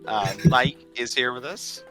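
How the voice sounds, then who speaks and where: A man from the United States serving as dungeon master, narrating a tabletop game livestream in a halting way with many fillers and restarts. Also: mid-range voice, music in the background. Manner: halting, full of ums and uhs and restarts.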